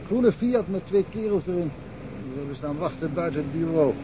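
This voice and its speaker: A man's voice: on the high side, lively intonation, normal speed, lo-fi sound, background noise, lightly acted. A man playing a wry, chatty small-town cop. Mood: amused, chatty. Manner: talkative, wry storyteller, chuckles often. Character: chatty provincial cop, male, middle-aged, wry. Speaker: local police detective. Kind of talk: radio drama acting.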